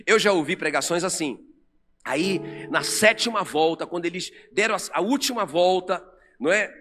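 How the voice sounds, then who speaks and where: A man with a Brazilian Portuguese accent preaching an animated sermon to a congregation in a church. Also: high-pitched, moderate pace. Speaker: pastor. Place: church sanctuary. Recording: long church reverb with music under.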